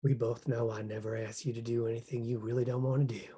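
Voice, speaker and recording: A man playing a menacing, possessive villain at a screenplay table read, with a husky, breathy, hushed delivery. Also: medium pitch, flat delivery, quick pace, close to an everyday voice. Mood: cold menace.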